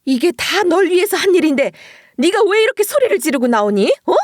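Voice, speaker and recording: A woman voicing a brazen, shrill older mother-in-law who scolds loudly and self-righteously in a dramatized story reading. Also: sing-song, brisk, no echo, studio quality. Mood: indignant.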